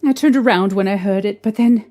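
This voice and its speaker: A woman playing a young mother shaken by strange happenings, recalling them in a halting, hesitant way. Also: medium pitch, warm tone, a little hiss or hum, lightly acted. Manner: hesitant, halting recollection with restarts. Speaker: interviewee recounting events. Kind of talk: fan audio drama acting. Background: faint music.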